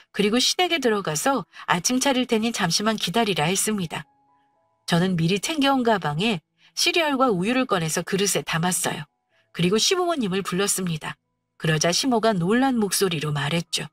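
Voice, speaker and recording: A woman's voice: mid-range voice, animated, moderate pace, dry recording, recorded from a distance, soft background music. Cool, cutting woman storyteller. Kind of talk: first-person story narration.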